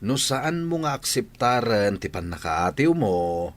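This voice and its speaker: A man playing a calm husband who lectures his wife. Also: medium pitch, unhurried. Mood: stern. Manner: calm, admonishing. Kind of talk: Ilocano family drama acting.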